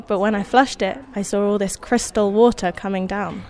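A woman's voice: mid-range voice, fairly even intonation, normal speed, dark tone. Woman from indonesia telling a story about her first days abroad, easygoing, wry. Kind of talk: personal storytelling.

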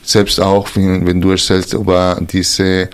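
Low-voiced hesitant male interview host. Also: monotone, a little slow. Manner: hesitant, searching for words, many fillers and restarts. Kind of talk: reflective interview talk.

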